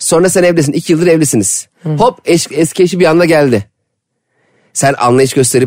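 At a fairly quick pace, a man talks in a dry, close sound with no echo. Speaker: podcast co-host, comedian. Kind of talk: casual chat. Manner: fast.

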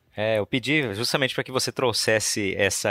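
A man speaks at a fairly quick pace with fairly even intonation, his voice dry and close with no echo on a very clean recording against a silent background. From Brazil, Mato Grosso do Sul (Campo Grande). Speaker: podcast host. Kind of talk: interview.

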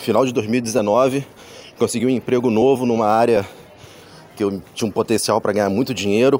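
Ordinary pitch variation and a fairly quick pace in a plain, everyday voice. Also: man. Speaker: listener and former guest. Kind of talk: recorded audio message to the show.

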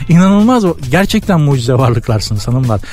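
Music plays in the background as a man talks at a very fast pace. His medium-pitched voice has very wide pitch swings. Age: 50s. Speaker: radio host. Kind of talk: casual chat.

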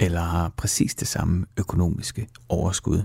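A man whispers. His pace is very slow. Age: 40s. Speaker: radio host. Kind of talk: radio show hosting, reading listener messages. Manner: casual, with hesitations.

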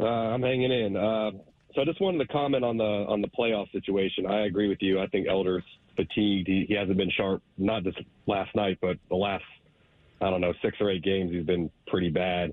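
Delivered at a fairly quick pace, this is an ordinary speaking voice with ordinary pitch variation and very even loudness. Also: man, fairly low pitch for a man. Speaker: caller.

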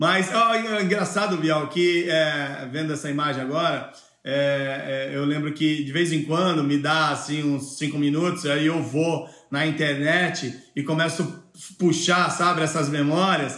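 A man speaks fairly slowly, his intonation fairly even. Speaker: former pro surfer, father of guest. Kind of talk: interview. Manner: halting, hesitant.

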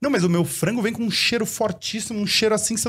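This man's voice sits high in pitch. He talks at a fairly quick pace. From Guarujá, São Paulo coast, Brazil. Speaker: chef and food consultant. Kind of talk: casual podcast conversation. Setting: studio.

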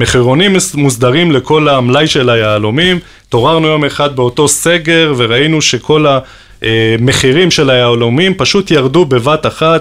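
Using a plain, everyday voice, a man talks at a fairly slow pace with a fairly high pitch, ordinary pitch variation and very even loudness. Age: 40s. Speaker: business executive. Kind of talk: interview.

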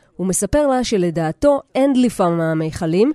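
Heard in a dry, close sound with no echo, a woman with a dark, mellow tone uses very wide pitch swings. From Israel, Haifa Bay area (Krayot). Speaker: environmental journalist and podcast host. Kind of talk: narrated documentary reporting.

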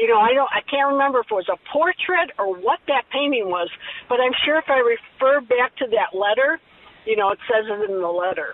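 With noticeable background noise behind her, a woman speaks at a fairly quick pace in a high pitch with lively intonation. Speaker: caller. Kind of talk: anecdote. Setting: phone call.

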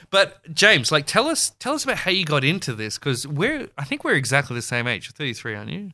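With an Australian accent, a man rattles along at a very fast pace with hardly any pauses, a fairly high pitch, very wide pitch swings and a bright, sharp tone. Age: 30s. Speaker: podcast host, tattoo artist. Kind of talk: casual interview chat.

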